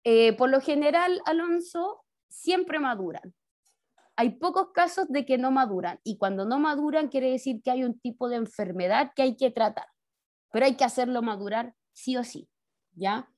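A woman's voice: sits high, normal speed, darkish tone. A woman teaching science in an online class with a Chilean accent, explaining step by step and checking in with tag questions after each point. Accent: Chilean Spanish. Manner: speaks to the pupils as kids. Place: home, on a video call. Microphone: laptop mic on a video call.

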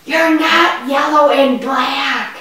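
A woman voicing an excitable, fearful young boy in a children's puppet show, with exaggerated delivery aimed straight at kids. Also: high voice, slow pace, heavily acted. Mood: puzzled. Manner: exaggerated, addressing children directly. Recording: echoey hall, far from the mic.

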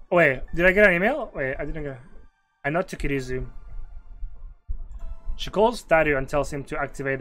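A man streaming a game, reading its narration aloud slowly and earnestly and chatting loosely in between. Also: mid-range voice, a bit bright. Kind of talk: reading a visual novel aloud with commentary.

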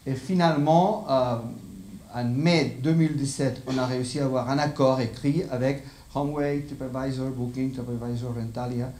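A middle-aged man with a Spanish accent and a dark, mid-range voice gives a live conference lecture in French, his second language, often pausing to find the right words. He holds a handheld microphone in an indoor lecture room with a seated audience, where the sound is echoey with slight background noise.

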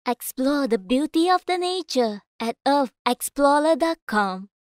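A woman reading scripted voice-over in a measured, clearly enunciated way. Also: high voice, animated, background noise. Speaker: voice actor. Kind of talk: voice-over demo reading of commercials, narration and announcements.

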